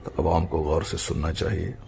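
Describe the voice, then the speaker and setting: Deep, very gravelly male cleric, noisy recording. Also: level tone, mellow. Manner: measured, halting phrasing with formal Urdu religious vocabulary. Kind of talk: solemn religious address, formal statement.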